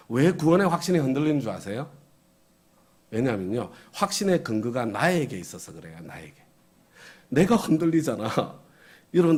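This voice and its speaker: A middle-aged pastor delivers a conversational sermon, frequently asking the congregation questions and chuckling. His voice is mid-range with a darkish tone.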